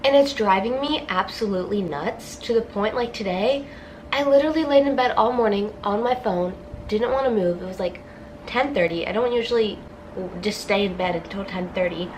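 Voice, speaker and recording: A woman's voice: mid-range voice, normal speed, a little hiss or hum, rough recording. Stuffy-nosed young woman vlogging. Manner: rambling, heavy use of "like", heartfelt. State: stuffy nose from a cold. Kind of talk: casual confessional vlog.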